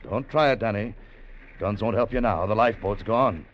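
An actor playing a calm, stern man in a 1940s radio drama, speaking in a cool, level, quietly menacing way. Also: lowish voice, moderate pace, close to an everyday voice. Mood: cold. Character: calm, stern man who turns in a killer. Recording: dull old radio broadcast, faint noise.

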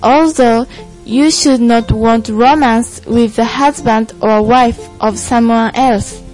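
A woman's voice: a little high, fairly even intonation, slow, darkish tone, poor audio. A young woman playing an earnest Jewish panelist from Israel in a scripted student stage play, over music. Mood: earnest, didactic. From Japan. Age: young adult. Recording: music behind the voice.

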